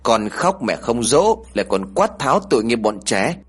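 A man's voice: medium pitch, big pitch swings, normal speed, husky. A man voicing a scolding old village grandmother. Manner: chiding, clucking reproach.

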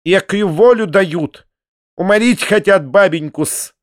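A man's voice: high-pitched, slow pace, no room sound, clean studio sound, voice pushed up. A man voicing a spiteful spinster toady in a storybook reading, hissing with malice. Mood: shrill outrage.

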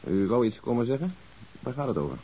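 An actor playing a calm, patient police inspector in a radio drama, questioning in a measured, courteous way. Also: male voice, medium pitch, breathy edge, poor audio. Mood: calm, businesslike. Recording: faint hiss.

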